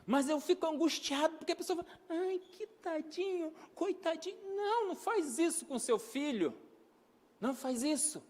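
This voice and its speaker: A man's voice: extremely high pitch, expressive, a little fast. A man preaching an emphatic sermon on parenting, repeating key phrases and acting out everyday dialogue. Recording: long hall reverb.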